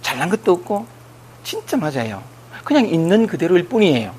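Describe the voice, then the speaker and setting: A man with a Gyeongsang accent giving an animated spiritual lecture, speaking straight to his listeners. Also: high voice, brisk, slight background noise. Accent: Gyeongsang Korean. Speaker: lecturer on scriptures.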